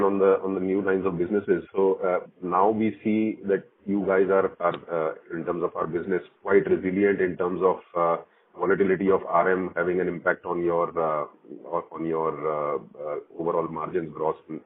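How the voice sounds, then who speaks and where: A man asking questions as an analyst on an earnings call, polite and halting, over a phone line. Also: low-pitched, level tone, breathy edge. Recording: muffled narrow-band phone line.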